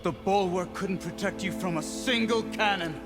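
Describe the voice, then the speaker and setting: An actor playing a proud, reluctant, battle-maimed tribal warrior with a grave, wry delivery in a video game. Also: male voice, high voice, moderate pace, close to an everyday voice. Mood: urgent, stern. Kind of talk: video game cutscene acting. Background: loud game music.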